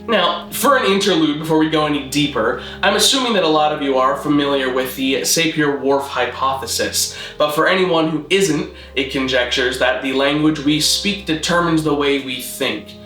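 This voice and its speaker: Male explainer narrator, bright tone, dry didactic scripted delivery, some room echo, light music bed. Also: medium pitch. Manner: deadpan, didactic. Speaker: host, video essayist on constructed languages. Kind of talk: scripted narration, mock-academic lecture.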